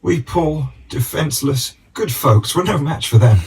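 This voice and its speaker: An actor playing a weary, bewildered old British miner in a video game, hesitant and complaining. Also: male voice, fairly high pitch, animated, unhurried, far from the mic. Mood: weary, aggrieved. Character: weary, put-upon old miner, grandfatherly and forgetful.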